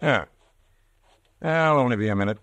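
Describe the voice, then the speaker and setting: A man's voice: mid-range voice, animated, normal speed, fairly bright tone, lightly acted. A man playing a polite, matter-of-fact homicide detective with a clipped manner in an old radio drama. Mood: businesslike. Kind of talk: 1940s radio drama acting.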